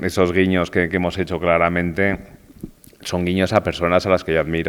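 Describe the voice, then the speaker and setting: In a slight Aragonese accent, a man with a very deep, low pitch speaks at a moderate pace. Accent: slight Aragonese, says he has little. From Zaragoza, Aragon, Spain. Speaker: film director. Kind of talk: panel discussion.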